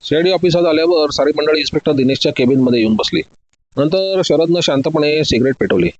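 A man reading a detective audio story in a steady, clear narrating voice. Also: on the high side, quick pace, dull audio.

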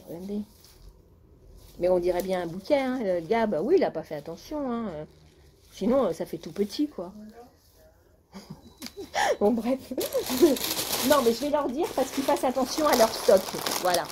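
A woman's voice: medium pitch, background noise. Chatty complaining woman vlogger. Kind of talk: casual chat.

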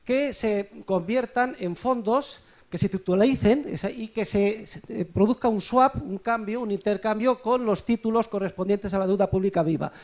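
A man with a high-pitched voice gives an explanation at a conference. He is emphatic and didactic, like an economist making his case. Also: moderate pace, a little mellow. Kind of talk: explanatory speech at a conference debate.

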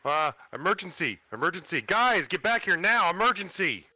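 Panicky old man adventurer, played by a male gamer, raised pitch, sharp and urgent, dry sound. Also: big pitch swings, moderate pace, no room sound, full character voice. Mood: panicked. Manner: urgent, panicky, repeating himself.

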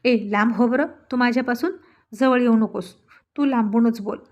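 A woman's voice: a little high, steady tone, normal speed, a little mellow, close to an everyday voice. A woman voicing a stubborn, irritable young husband who talks in curt, scolding lines. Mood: irritated.

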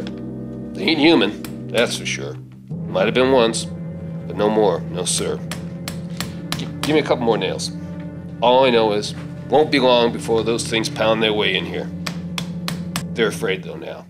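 A middle-aged man on stage playing a gruff, take-charge survivor of a zombie attack in a radio play, with folksy phrasing. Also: fairly low pitch, unhurried, pauses often, close to an everyday voice. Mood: steady, grim. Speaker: stage actor reading a script. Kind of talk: live radio-play acting. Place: theater stage. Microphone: stand microphone. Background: loud music.

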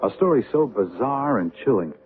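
An actor playing an educated, solemn psychologist who narrates a radio drama in a measured way. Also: male voice, medium pitch, lively intonation, lightly acted. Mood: solemn, dramatic. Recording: muffled phone-like old radio broadcast, noisy.

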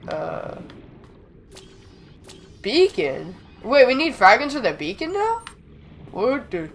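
A young man with a slightly raspy voice from being sick, chatting excitedly as he plays and talks back to the game. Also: extremely high pitch, slow, faint music behind. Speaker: gaming channel host. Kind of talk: casual gameplay commentary.

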